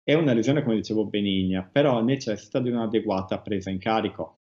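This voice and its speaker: A man speaking as an expert guest in a TV interview, measured and hesitant, with frequent restarts. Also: fairly low pitch, a little mellow, muffled recording. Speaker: guest expert on rare diseases. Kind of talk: TV interview answers.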